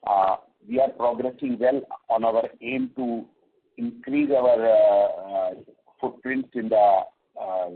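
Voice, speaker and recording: A man with an Indian accent giving company commentary and answers on an earnings call, halting and repeating words. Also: fairly low pitch, husky. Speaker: company executive. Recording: muffled, tinny conference phone line.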